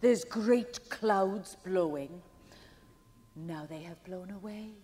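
An actress voicing a dark gypsy woman reading a crystal ball in a radio play, breathy and mysterious. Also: on the low side, slow pace, big-room sound. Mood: entranced.

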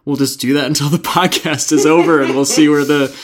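A man's voice: on the high side, steady tone, a little fast, crowd noise. A man co-hosting a podcast in casual chat, loose and chatty with lots of fillers. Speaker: podcast co-host.

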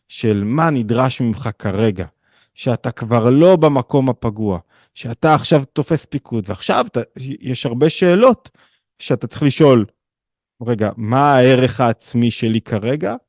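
A man leads a casual spiritual class over a video call, his mid-pitched voice dry and close to the mic. He talks in a loose, slangy way with restarts, then leaps sharply higher and louder whenever he acts out a voice or drives home a point. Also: no echo. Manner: conversational with slang and many restarts. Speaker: teacher of a weekly online class.

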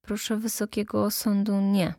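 A woman's voice: mid-range voice, completely flat delivery, unhurried, mellow, no room sound, close to an everyday voice. A meek male defendant, read by a woman answers with timid, formal deference. The voice is close and dry, with nothing of the room around it.

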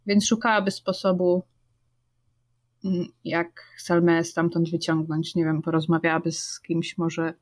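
A woman's voice: lowish voice, little pitch movement, measured pace. Female tabletop player, thoughtful, rambling, casual chat. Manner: thoughtful, rambling, searching for words.

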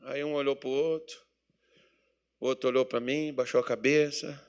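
A man with a Brazilian Portuguese accent, preaching a sermon as pastor, building to shouted emphasis. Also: mid-range voice, steady tone, moderate pace, clear, resonant tone. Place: church meeting hall.

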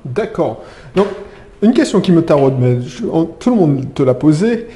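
A woman's voice: low-pitched, sing-song, moderate pace, dark tone. Chatty woman host in a roomy space. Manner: chatty, self-deprecating, laughs often. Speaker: podcast host. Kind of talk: casual interview chat. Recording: roomy echo.

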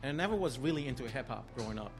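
A man with an Austrian accent talks quickly and easily about his own path, with a wry, self-deprecating touch. Music plays clearly underneath his voice the whole time. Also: medium pitch, lively intonation. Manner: fast, easygoing, self-deprecating. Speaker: guest, music A&R. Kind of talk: casual interview storytelling. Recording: music playing behind.

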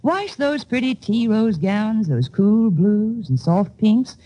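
A woman playing a perky American pitchwoman in a vintage radio commercial. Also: lively intonation, takes it slowly, dark tone, poor audio.

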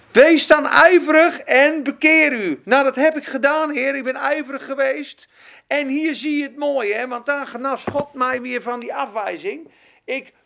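A preacher giving a fervent sermon, swinging between loud emphatic bursts and quiet asides and putting questions straight to the congregation. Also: sits high, vocal fry.

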